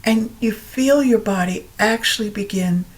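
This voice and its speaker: Slow-paced woman guiding meditation. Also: mid-range voice, low-quality recording. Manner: calm, soothing, unhurried with long pauses. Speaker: yoga nidra meditation teacher. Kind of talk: guided meditation narration.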